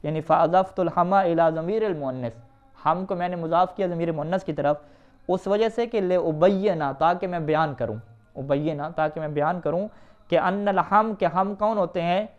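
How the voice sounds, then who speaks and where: High-voiced male grammar teacher. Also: faint music behind. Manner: asks students questions and answers them himself; reads Arabic quickly, then explains in Urdu. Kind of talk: classroom lesson reading and explaining an Arabic text. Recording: dull, lo-fi recording.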